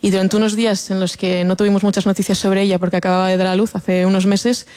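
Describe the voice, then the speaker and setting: A woman in her twenties from the Basque Country, a native Basque speaker, chatting about her music in a relaxed, somewhat hesitant way. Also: mid-range voice, fast talker. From Basque Country, Spain. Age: 20s. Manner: relaxed, hesitant, laughs softly. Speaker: singer, interview guest. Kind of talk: casual interview.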